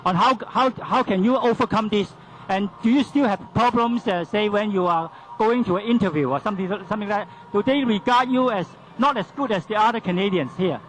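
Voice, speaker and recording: A man's voice: sits high, brisk, fairly bright tone, slight background noise, low-quality recording. A man moderating a panel discussion. He asks probing questions and often ends them with "huh?".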